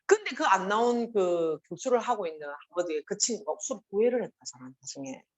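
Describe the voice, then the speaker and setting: Animated husky woman with a Gyeongsang accent. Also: medium pitch, brisk. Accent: Gyeongsang Korean. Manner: animated, acts out quoted voices. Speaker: motivational speaker. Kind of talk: motivational seminar talk.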